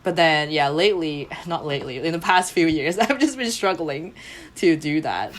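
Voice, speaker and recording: A woman's voice: low voice, lively intonation, normal speed. A young woman whose first language is Cantonese, a podcast guest chatting casually and laughing often mid-sentence. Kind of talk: casual chat.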